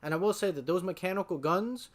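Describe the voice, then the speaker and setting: A man's voice: high-pitched, fast. A man streaming a watch party, talking informally to his viewers with lots of filler words. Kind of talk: casual live-stream talk.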